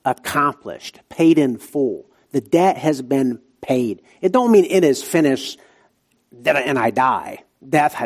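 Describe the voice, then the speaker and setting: Appalachian hillbilly man preaching a sermon. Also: mid-range voice. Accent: Appalachian hillbilly Southern US. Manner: emphatic short phrases with repetition and rhetorical questions.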